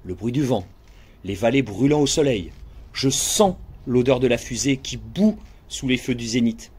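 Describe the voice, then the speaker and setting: A man reading an audiobook in scripted first-person narration, hushed and dreamy. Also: mid-range voice, animated, normal speed, husky. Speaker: audiobook reader.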